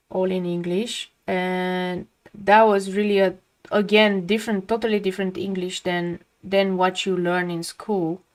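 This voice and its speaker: A woman from Romania, speaking English as a second language, chatting casually and reflectively while she paints on a live stream, often trailing off mid-sentence. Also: medium pitch.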